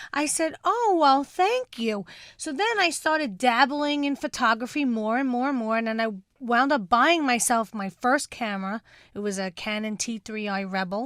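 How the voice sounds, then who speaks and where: A woman with a strong Long Island accent, high pitch and a moderate pace. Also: lively intonation, dry, close sound with no echo. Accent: strong Long Island New York. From Long Island, New York (Franklin Square). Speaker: radio promotions director. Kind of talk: casual chat.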